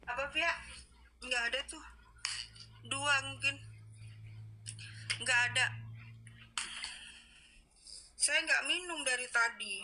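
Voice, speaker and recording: A woman, a fitness instructor, chatting casually late at night and telling animated stories full of sighs of dismay. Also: sits high, slow pace, pauses often, noisy background.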